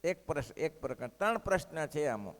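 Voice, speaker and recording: A man preaching a devotional sermon, telling stories with animated swings between loud exclamations and hushed asides. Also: fairly high pitch, a little fast. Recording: long hall reverb.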